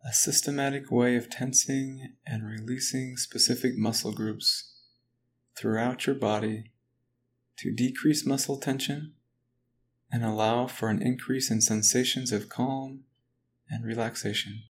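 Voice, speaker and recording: A man leads a muscle relaxation exercise in a slow, calm, even manner. His voice stays level, with little rise and fall. There is a faint background noise throughout. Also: mid-range voice. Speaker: relaxation guide. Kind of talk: guided relaxation script.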